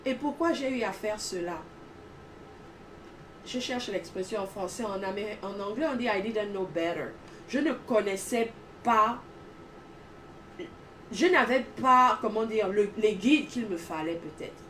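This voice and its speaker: A woman's voice: medium pitch, a little slow, long pauses, fairly bright tone, far from the mic, slight background noise, low-quality recording. Earnest woman, heard off-mic. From Gabon. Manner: emphatic, repetitive phrasing. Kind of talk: earnest testimony talk.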